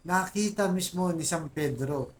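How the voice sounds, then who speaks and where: A man's voice: high voice, measured pace, a little hiss or hum. A man with a Filipino accent, talking informally and earnestly to his viewers about faith, often asking "right?" and reading verses aloud. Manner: earnest, repeats "di ba?" and "guys" often, reads scripture aloud. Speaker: Catholic faith vlogger. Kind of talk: informal religious teaching to viewers.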